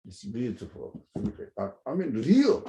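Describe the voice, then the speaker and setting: A man explaining a religious text in an animated way, chuckling often and pausing to search for words. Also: medium pitch, roomy sound. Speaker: religious teacher.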